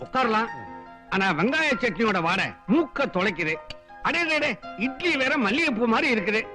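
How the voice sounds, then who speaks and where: Brief: greedy sly guest, high musing voice, film comedy. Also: male voice, sing-song, normal speed, sharp tone, soft background music, full character voice. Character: greedy sly houseguest man, fussing about food.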